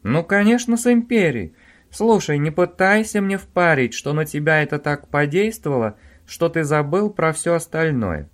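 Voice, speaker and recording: A man's voice: on the high side, big pitch swings, moderate pace, voice pushed up. A man voicing a demanding young woman who presses her lover on the phone, insistent and pushy.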